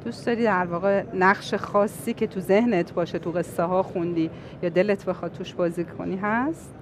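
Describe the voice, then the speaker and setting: A woman's voice: on the low side, background noise. A woman hosting a TV interview, asking long, carefully phrased questions and giving encouraging replies. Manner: articulate, long winding questions, warm affirmations. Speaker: interviewer host.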